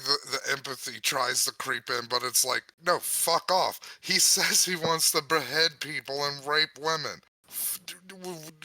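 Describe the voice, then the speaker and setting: A man's voice: medium pitch, pushed and bright, no room sound. A man co-hosting casual, profane comedic commentary in a blunt, mocking, exasperated manner. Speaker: co-host.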